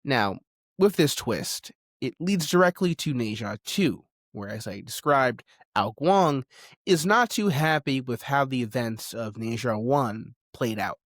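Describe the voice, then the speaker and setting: A man hosting a video essay, speaking in a conversational, emphatic way with dramatic pauses. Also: mid-range voice, lively intonation, no room sound, studio quality. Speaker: podcast host and video essayist.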